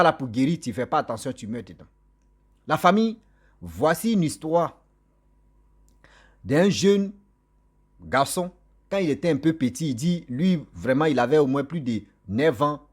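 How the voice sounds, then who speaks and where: A man, not a native French speaker, tells a story to his viewers in a lively, repetitive, chatty way. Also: fairly high pitch, husky. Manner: animated, repetitive, warm direct address to viewers. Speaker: storyteller vlogger. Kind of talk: casual spoken storytelling.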